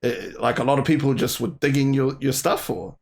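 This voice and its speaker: A man's voice: medium pitch, steady tone, brisk, darkish tone. A man hosting a casual interview, laid-back and rambling, filling his questions with "like" and "man". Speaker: interview host.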